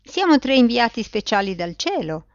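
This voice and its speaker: A woman's voice: fairly high pitch, sing-song, moderate pace, no echo, dull audio, pitched above the performer's own voice. A woman reading aloud, voicing a proud, cheerful child.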